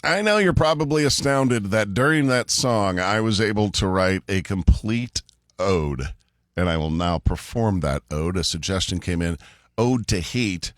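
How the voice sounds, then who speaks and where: A man's voice: on the low side, lively intonation, no echo, studio quality. Playful man on morning radio. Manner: playful, theatrical poetry reading with drawn-out words. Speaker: radio co-host. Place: radio studio. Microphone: studio microphone.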